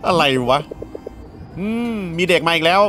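A man's voice: on the high side, unhurried, sharp tone, a little hiss or hum. A man playing through a video game, joking around and reading the dialogue aloud as he goes. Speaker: gaming YouTuber. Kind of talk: let's play commentary.

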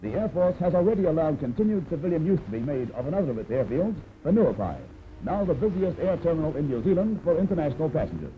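A man narrates an old newsreel in a formal, announcing way, his fairly high voice rising and falling with lively emphasis. The sound is thin and tinny, like a phone line. Loud music plays beneath him. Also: quick pace.

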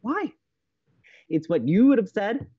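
A woman playing an anxious, stubborn young college radio host in an audio drama, with a flustered, halting, emphatic way of talking. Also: medium pitch, very animated, slightly rough, phone-quality sound. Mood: agitated. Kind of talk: naturalistic audio drama acting.

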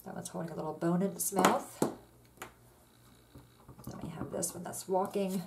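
Speaking at normal speed in a low-leaning voice with vocal fry, a woman guides viewers through making a card, step by step, in a relaxed, chatty way full of fillers. The setting is an indoor craft table, filmed from above so just her hands appear, and heavy noise fills the background.

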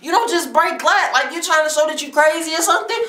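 A young man hosting a reaction video, talking in an excitable way and often exclaiming or shouting in disbelief. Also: extremely high pitch, quick pace. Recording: echoey room.

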